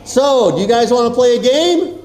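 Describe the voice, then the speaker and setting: A man's voice: very high voice, lively intonation, normal speed, darkish tone, a little hiss or hum. An American man speaking playfully to students as a guest speaker, often checking in with questions, in an echoey hall. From California, USA. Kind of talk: interactive motivational talk to students. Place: large echoey room at a school. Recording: echoey hall with long reverb.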